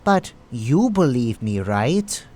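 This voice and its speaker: A man's voice: medium pitch, big pitch swings, slow pace, darkish tone. A man playing a cocky, shifty hospital worker in an audio drama, with a drawling, condescending way of talking. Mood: wary. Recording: noisy home recording with clicks.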